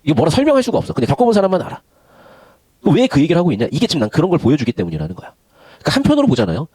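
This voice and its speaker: Fast, animated Korean tutor man. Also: on the high side, slightly rough, no room sound. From Gyeongsang region of Korea. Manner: fast, animated and chatty, switches between polite and casual speech. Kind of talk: online lecture.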